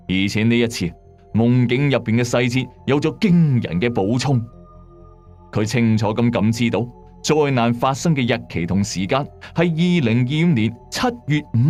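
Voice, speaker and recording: A man with a Hong Kong Cantonese accent hosting a late-night strange-tales show, narrating scripted mysteries in a measured, dramatic storyteller's way. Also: medium pitch, darkish tone. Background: background music.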